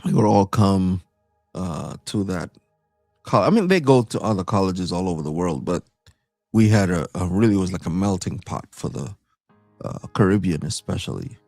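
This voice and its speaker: Man, Trinidadian accent, middle-aged, low pitch, very expressive, faint background music. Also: moderate pace, vocal fry, no room sound, studio quality. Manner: animated, laughs often, lots of fillers and restarts. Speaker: co-host. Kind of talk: casual chat.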